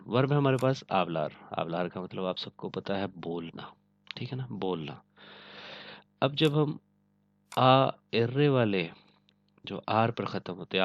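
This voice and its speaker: A man teaches a lesson at a measured, patient pace, often stopping to check that his students follow. His voice sits low. The recording sounds dull and lo-fi but dry, with no room sound. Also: no echo. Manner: patient, repeats "ठीक है ना" to check understanding. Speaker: language teacher. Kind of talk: online language lesson.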